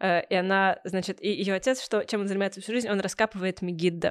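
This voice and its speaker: In an unremarkable speaking voice, a woman at medium pitch talks fairly quickly with fairly even intonation, on a very clean recording with a silent background and a dry, close sound with no echo. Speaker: podcast co-host, English teacher. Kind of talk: casual chat.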